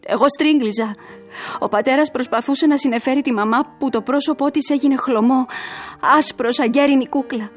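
A woman's voice: high-pitched, soft background music, close to an everyday voice. An actress playing a grieving young woman who tells her story earnestly and emotionally, as in a letter read aloud in a radio drama.

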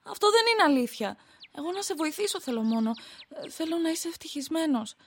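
An actress playing an anxious young wife who hears spirit voices, pleading and tearful by turns. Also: female voice, sits high, animated. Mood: soft coaxing. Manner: pleading, clingy, tearful swings. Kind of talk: audio drama acting.

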